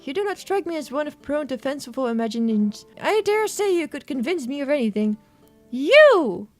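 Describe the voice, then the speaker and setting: A woman voicing a gallant, courteous gentleman knight in a visual novel, speaking in formal, courtly phrases. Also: sits high, very animated, moderate pace, faint music behind.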